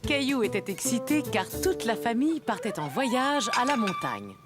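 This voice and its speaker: A woman giving scripted storybook narration for a children's cartoon in a clear, storytelling manner. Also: a little high, big pitch swings, normal speed. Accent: French. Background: children's music.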